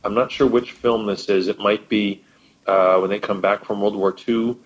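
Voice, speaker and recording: A man who is a musician, a guest telling stories in animated casual chat. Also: lowish voice, moderate pace, slight background noise. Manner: animated storytelling. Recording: dull, lo-fi line.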